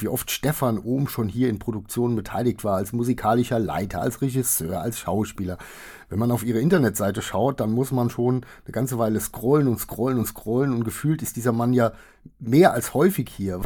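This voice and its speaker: A man with a husky, slightly breathy voice interviews performers as they sit together on a theater stage. His questions come in a measured, formal way. His pitch sits in an ordinary middle range. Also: a little mellow.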